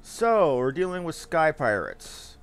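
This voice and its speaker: A man with a high-pitched voice chats through a game stream. The talk is casual, off-the-cuff commentary. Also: sing-song, slow, smooth.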